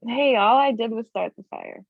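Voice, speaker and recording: A woman's voice: fairly high pitch, lively intonation, moderate pace, creaky, dry recording, phone-quality sound. A woman reading the part of a steadfast, plucky miner's wife and mother in a screenplay table read, over thin call audio. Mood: reassuring.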